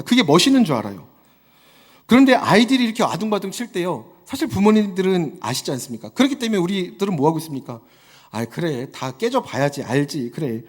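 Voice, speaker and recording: A man's voice: sits high, husky, in a large hall. A man in his thirties preaching a Sunday sermon, building to fervent exhortation and acting out little quotes.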